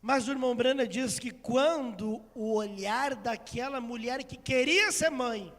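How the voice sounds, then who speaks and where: A man from Brazil preaching a sermon, retelling a story dramatically with acted quotes and swells to shouts. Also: very high voice, unhurried. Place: church sanctuary. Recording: long hall reverb.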